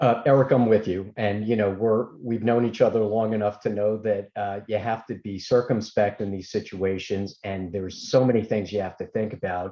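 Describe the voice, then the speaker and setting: A man with an East Coast US accent at a moderate pace, with hardly any pauses. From US East Coast. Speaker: agricultural finance economist. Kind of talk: interview.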